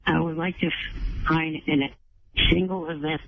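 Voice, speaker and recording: A man calling in to a radio show, speaking haltingly and earnestly in formally worded phrases. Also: on the high side, steady tone, vocal fry. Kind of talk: phone-in chat. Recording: dull phone call with faint noise.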